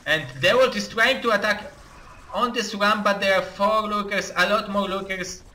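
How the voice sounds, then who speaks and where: A young man with an Eastern European accent, giving live play-by-play game commentary in halting, excitable non-native English. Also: high voice, low-quality recording. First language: not English.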